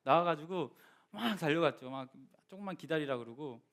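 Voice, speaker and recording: A man's voice: on the high side, a little fast. Young guy preaching, tells a story, voice goes up and down a lot, talks right to the crowd. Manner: animated storytelling, voice rising and dropping for emphasis; restarts and fillers, conversational address to congregation. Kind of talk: sermon with personal story.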